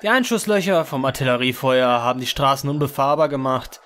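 An actor playing a grim, curt army transport driver in an audio drama, gruff and mocking. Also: male voice, medium pitch, brisk, a bit bright, close to an everyday voice.

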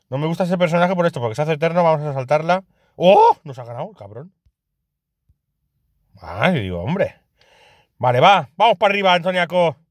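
Young man, Spain Spanish accent, casual gameplay commentary, excitable, dry recording. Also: fairly high pitch, no room sound. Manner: excitable, swears a lot, laughs often. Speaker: gaming youtuber.

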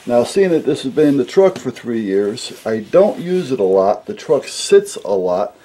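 A man's voice: mid-range voice, big pitch swings, normal speed, dark tone, breathy edge. A middle-aged man giving a casual, unscripted repair walkthrough at a workbench, rambling and explaining things matter-of-factly. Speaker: hobbyist radio repairer, presenter. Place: indoors at a workbench.

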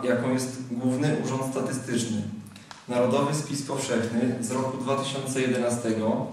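A young man at a lectern in a large hall, reading a prepared speech in a formal, measured way. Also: mid-range voice, a little mellow, a little hiss or hum. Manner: formal, measured delivery from a script. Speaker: speaker at a convention. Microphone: lectern microphone. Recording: very echoey hall, mic at a distance.

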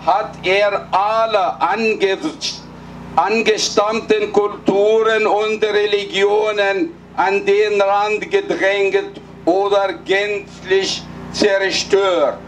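At an outdoor night rally in a city square, an older Egyptian man whose first language is Arabic gives a political speech slowly in a high voice with little pitch movement. He is solemn and deliberate, with halting restarts. He holds a handheld mic, but a distant camera films him, so his voice sounds far off amid street noise.

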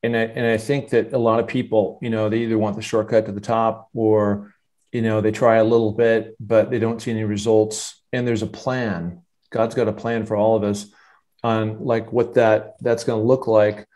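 A man in his fifties, a guest on a video-call interview, telling a long story in an animated, rambling way with many restarts. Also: on the low side, normal speed. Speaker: interview guest, former football player. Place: home office with wood cabinet. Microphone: earbud headset on video call.

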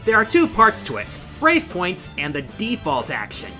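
A man's voice: sits high, huge pitch swings, moderate pace, bright, forceful tone, faint music behind. A middle-aged man hosting a countdown in scripted video essay narration, with an emphatic, theatrical delivery. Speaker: video game countdown host.

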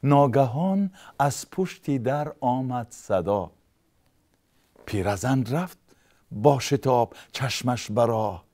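A man's voice: mid-range voice, lively intonation, a little mellow. A man with a Tajik accent reciting a long story poem in a chanted, rhythmic way. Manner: chanted, rhythmic, sing-song delivery. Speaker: narrator.

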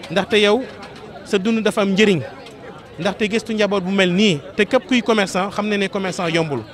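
A middle-aged Senegalese man, a real estate promoter, speaking earnestly to journalists at a crowded outdoor event, repeating his pitch. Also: fairly bright tone. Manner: earnest, repetitive promotional speech mixing Wolof and French. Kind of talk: press statement to journalists. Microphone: several press microphones held close. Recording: noisy crowd around interview. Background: crowd chatter.

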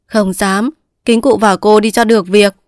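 In a dry, close recording without echo, a woman narrates a fussy court clerk who is officious and quick to scold before shifting to polite helpfulness. She uses a mid-range, steady voice that stays close to how she would normally speak.

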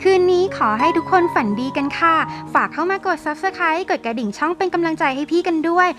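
A woman's voice: extremely high pitch, animated, a little fast, over music. A woman hosting and narrating a cartoon story channel, politely addressing young viewers.

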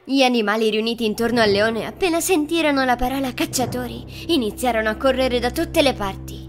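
A woman's voice: fairly high pitch, fairly quick. A woman storyteller reading scripted fairy tale narration for children. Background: background music.

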